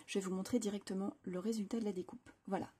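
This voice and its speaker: Woman, craft haul host, chatty and enthusiastic, dark mellow tone, slightly husky. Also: mid-range voice, fairly even intonation, fast. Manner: chatty, enthusiastic, frequent fillers and restarts. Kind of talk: casual product haul presentation. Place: home craft room.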